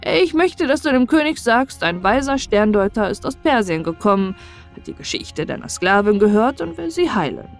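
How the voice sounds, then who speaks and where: A woman's voice: a little high, sing-song, moderate pace. A woman reads as a solemn young prince in a fairy tale, playing the wise astrologer. The speech is formal and declaimed, over music. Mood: proclaiming.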